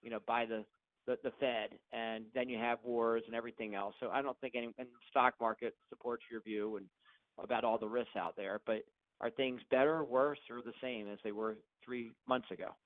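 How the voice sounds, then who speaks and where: A man's voice: mid-range voice, fairly even intonation, fairly quick, dry recording. A man questioning executives as an analyst on an earnings call, blunt and pressing in a conversational way. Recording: dull, dry conference phone audio.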